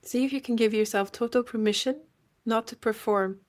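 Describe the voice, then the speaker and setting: A woman leading a guided meditation in a gentle, unhurried way, leaving long pauses. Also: a little high.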